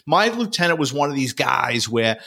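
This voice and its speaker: A man, a former police detective, telling war stories in a casual, profane, animated way. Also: mid-range voice, normal speed, gravelly. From New York. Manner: profane, animated, acts out quotes. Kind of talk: casual storytelling.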